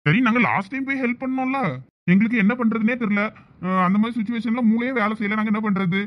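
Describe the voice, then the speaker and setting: A man's voice: sits high, quick pace, dull audio, lightly acted. A man voicing a flustered young village husband in a comic cartoon family drama, with a Thoothukudi Tamil accent and a pleading, coaxing manner. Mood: defensive. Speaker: cartoon voice actor.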